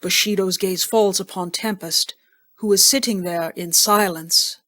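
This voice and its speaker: A woman's voice: mid-range voice, steady tone, measured pace, fairly bright tone, dry recording. A woman reading scene directions as scripted narration for an audio drama.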